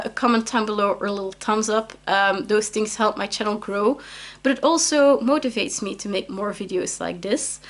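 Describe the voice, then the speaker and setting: A Dutch-speaking woman from Belgium talks to her vlog camera about books in English. Her voice sits a bit on the high side, and she rambles with frequent ums and restarts. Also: fairly bright tone. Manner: chatty, rambling with many fillers and restarts. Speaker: author and vlogger. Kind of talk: casual vlog chat.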